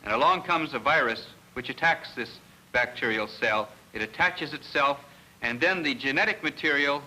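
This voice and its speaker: A man, a research scientist, giving an educational lecture in a measured, didactic way with pauses mid-sentence. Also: mid-range voice, pushed and bright, rough recording.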